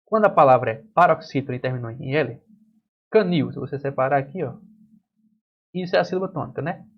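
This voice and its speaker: A man's voice: mid-range voice, lively intonation, fast, dull audio. A man with a Brazilian accent teaching an online grammar lesson, explaining step by step and asking and answering his own questions. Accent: Brazilian Portuguese.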